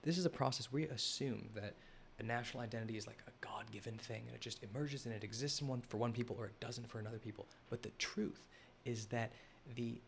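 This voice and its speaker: Hosting a live analysis stream, a lower-pitched man gives loose, unscripted commentary on a map, with a faint hiss under the recording. He rambles and corrects himself, frequently breaking off and restarting sentences, and talks directly to the chat.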